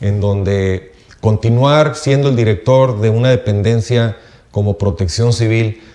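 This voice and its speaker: A man's medium-pitched, dark, mellow voice at a very slow pace, with ordinary pitch variation. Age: 60s. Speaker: civil protection director. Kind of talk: interview. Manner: halting, many fillers.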